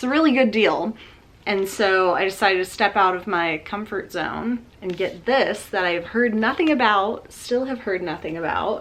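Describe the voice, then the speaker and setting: A woman speaks at a moderate pace in a medium pitch. It's a normal speaking voice with ordinary pitch variation. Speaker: booktuber. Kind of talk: casual chat.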